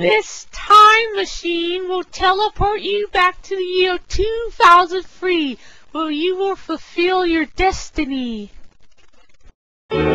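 This put-on character voice is extremely high-pitched and very slow. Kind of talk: comic overacting. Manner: urgent, heroic.

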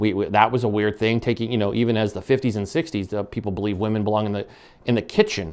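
A man with an American accent and a fairly low pitch talks at a very fast pace over a quiet background. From Florida. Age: 40s. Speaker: talk show host. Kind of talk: interview. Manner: animated. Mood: serious, reflective. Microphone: video call.

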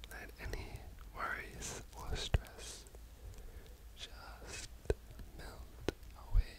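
A soft-spoken man whispers at a very slow pace in a soothing tone. The sound is dry with no echo, though loud background noise runs underneath. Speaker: ASMR creator. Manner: soft soothing ASMR whisper. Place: home room. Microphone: studio mic.

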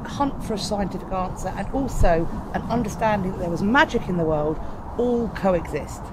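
Noticeable background noise behind a woman's moderate-paced speech. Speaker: guest. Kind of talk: interview answer. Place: forest.

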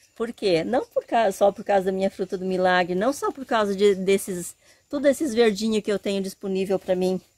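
A woman's fairly quick speech with ordinary pitch variation, the sound dry with no echo. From Rio Grande do Sul, Brazil. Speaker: small-farm vlogger. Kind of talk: casual vlog tutorial. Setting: outdoors. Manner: animated. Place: garden. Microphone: phone near.

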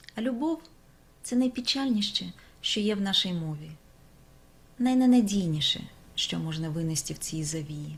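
A woman with a non-native accent speaks at a medium pitch and moderate pace, her voice somewhat breathy. Her pitch swings very widely, and she leaves long, frequent pauses. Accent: non-native Ukrainian. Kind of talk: poetry reading.

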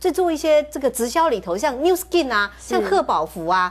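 A woman talks fairly quickly in a high pitch. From Taiwan. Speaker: veteran journalist; finance show commentator. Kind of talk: TV panel discussion. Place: studio. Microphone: lapel.

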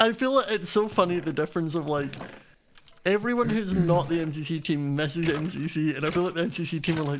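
This man has a high-pitched voice, ordinary pitch variation and a moderate pace. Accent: Scottish. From Scotland. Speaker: gamer on a shared server. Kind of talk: casual gaming chat.

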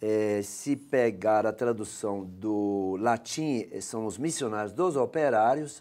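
A man's fairly low, dark, mellow voice at a very slow pace with hardly any pauses. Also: ordinary pitch variation. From Belgium, Ypres (Flemish region); Belgium. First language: Dutch (Flemish) (speaking Portuguese). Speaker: theology professor and social activist; interview guest. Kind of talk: interview; interview answer. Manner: halting. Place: studio. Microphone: lapel.

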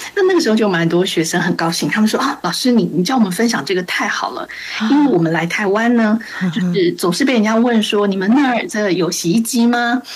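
With lively intonation, a woman speaks at a fairly quick pace and a fairly high pitch. It is a normal speaking voice. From Taiwan, Keelung; Taiwan. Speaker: media editor, former teacher; former teacher. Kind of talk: radio interview. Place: studio.

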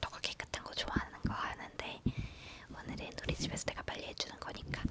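Whispered female speech against noticeable background noise. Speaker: ASMR creator. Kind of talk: ASMR makeup roleplay, whispered chatting. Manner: whispered, soft, chatty.

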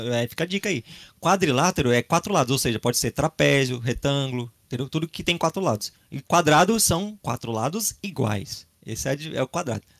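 A man talks in a normal speaking voice at a fairly high pitch and moderate pace. The sound is dry and close, with no echo. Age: 30s. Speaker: 3D character artist for games. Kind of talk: casual interview on live stream.

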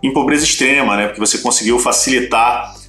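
A man talks at a very fast pace, with audible room echo and faint music in the background. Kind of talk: interview answer. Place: home room. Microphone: earbuds.

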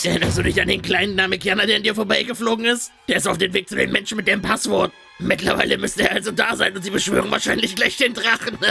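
A put-on character voice, fairly high in pitch, rattles along at a very fast pace. Clear music plays in the background.

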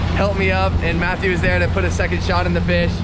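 A man talks at a fairly quick pace over music in the background. The sound is dry with no echo. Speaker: spearfisher vlogger. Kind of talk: casual vlog chat. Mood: excited, stoked. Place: boat. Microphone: phone near.

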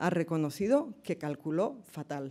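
A woman's voice with a dark, mellow tone. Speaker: political science professor. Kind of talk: presentation. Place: hall.

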